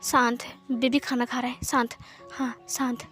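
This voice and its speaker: A bashful young new parent who stammers and sulks when teased, as a woman reader puts him on. The voice is high-pitched and hesitant. Soft music sits faintly behind it. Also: normal speed. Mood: gentle. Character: shy, flustered young man, new parent.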